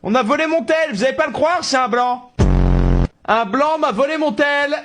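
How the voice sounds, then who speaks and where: A man with a very high voice jokes and exclaims in loose, casual chat. Loud music plays behind him. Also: moderate pace.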